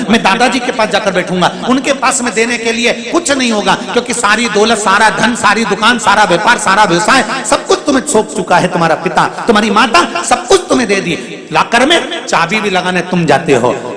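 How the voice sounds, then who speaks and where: A man telling a devotional story as a preacher, building his points through rhythmic, repeated lists. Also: high voice. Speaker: katha preacher. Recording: echoey hall with music behind.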